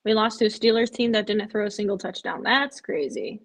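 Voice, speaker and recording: A woman's voice: mid-range voice, steady tone, brisk, low-quality recording. A woman hosting a live stream, chatting casually with viewers, sounding tired and rambling. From Chicago area. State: drowsy, yawning.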